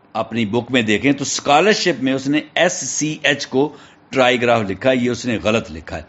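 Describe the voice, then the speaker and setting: Male teacher, Pakistani accent, spells words slowly, muffled lo-fi recording. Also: fairly high pitch, fairly bright tone. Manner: spells words letter by letter, checks in with "theek hai". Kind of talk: classroom lecture. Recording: dull lo-fi recording.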